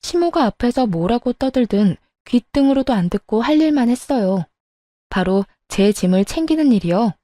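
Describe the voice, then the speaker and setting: A woman's voice: fairly high pitch, lively intonation, normal speed, dark tone, dry recording. Sardonic woman telling a story. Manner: sardonic, matter-of-fact. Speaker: story narrator. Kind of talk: first-person storytelling narration.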